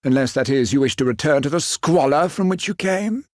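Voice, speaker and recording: A man's voice: fairly high pitch, animated, brisk, no echo, studio quality, close to an everyday voice. A man playing a pompous, condescending aristocratic villain in a video game, theatrical and full of disdain. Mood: disdainful.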